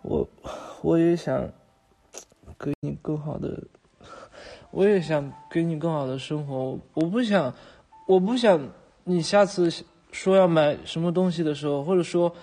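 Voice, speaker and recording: List: man voicing a stammering apologetic boyfriend, high voice, pleading, roleplay audio drama. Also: warm tone, natural voice. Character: remorseful young boyfriend soothing his crying girlfriend.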